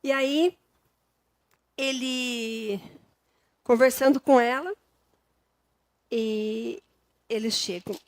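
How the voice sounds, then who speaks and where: High-voiced Brazilian woman preaching. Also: steady tone, extremely slow, pauses often, no echo. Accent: Brazilian Portuguese. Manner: conversational and homely, with frequent tag questions. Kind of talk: sermon.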